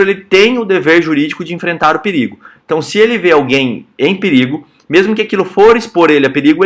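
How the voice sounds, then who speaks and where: A man's voice: on the high side, fairly bright tone. A young Brazilian man teaching criminal law in a casual, explanatory lecture style, often checking in with his students. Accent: Brazilian Portuguese. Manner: conversational, checks in with "tá?" and "certo?".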